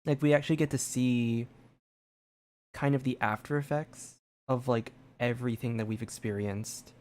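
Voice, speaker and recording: Casual, musing streamer with a middling-low voice. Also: fairly even intonation, normal speed, darkish tone. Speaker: streamer playing and commenting on a video game. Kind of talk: casual gameplay commentary.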